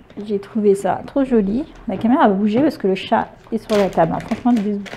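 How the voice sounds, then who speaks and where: There is noticeable background noise. Over it, a woman speaks with a fairly high pitch. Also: ordinary pitch variation, fairly quick pace. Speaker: crafting youtuber. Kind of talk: product unboxing. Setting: at home, cat on table. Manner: hesitant, many fillers.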